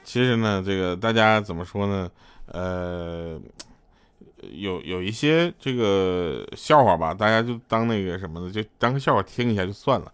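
A man's voice: deep voice, moderate pace. Joking male radio host, chuckling. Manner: joking storyteller, chuckles between punchlines; loose, stumbling restarts. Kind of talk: comedic radio chat.

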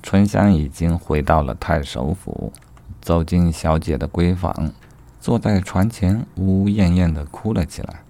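A man's voice: deep voice, a little slow, creaky, mellow. A man telling a classic tale as a playful story, voicing each character in turn. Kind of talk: storytelling narration.

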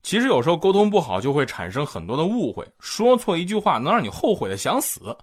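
A man hosting a comedy talk show, telling stories in a lively scripted monologue. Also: fairly high pitch, quick pace, slightly rough. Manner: lively storytelling. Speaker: host.

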